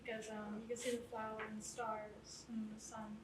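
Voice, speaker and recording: A quiet-voiced young woman from Ontario, a beading artist, speaking shyly and hesitantly to a group, with many fillers. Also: a little high, monotone, a little fast. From Ontario, Canada. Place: indoor exhibit hall. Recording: echoey room, distant, with background noise.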